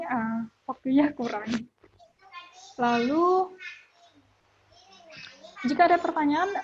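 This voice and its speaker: A woman teaching a French lesson over a video call, pausing often with filler sounds. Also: on the high side, slight background noise. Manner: hesitant, many filler sounds. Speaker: French language tutor. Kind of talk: online lesson. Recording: dull lo-fi audio.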